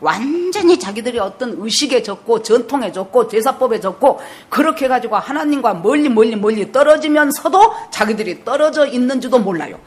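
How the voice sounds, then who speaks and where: A woman's voice: fairly high pitch, lively intonation, brisk, few pauses. A woman pastor in her sixties preaching in a storytelling way, acting out dialogue and repeating words for emphasis. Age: 60s. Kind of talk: storytelling sermon.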